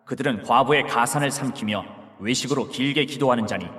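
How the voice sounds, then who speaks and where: A man playing Jesus as a calm teacher, giving measured, solemn lines in a dramatized Bible reading. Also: mid-range voice, lightly acted. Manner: measured, solemn archaic delivery. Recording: long hall reverb.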